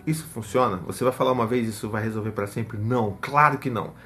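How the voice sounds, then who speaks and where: A young adult man giving casual parenting advice, lively, often acting out parents talking to their toddlers. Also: fairly low pitch, fast, a little hiss or hum. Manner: animated, acts out parent and child voices. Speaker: parenting speaker.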